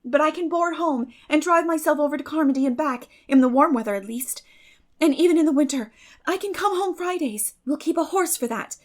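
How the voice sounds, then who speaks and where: A woman voicing a bright, determined, idealistic sixteen-year-old girl in a dramatic audiobook, eager, effusive and dreamy. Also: sits high, a little fast, voice pushed up, natural voice. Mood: eager, cheerful. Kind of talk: dramatic audiobook reading of a classic novel.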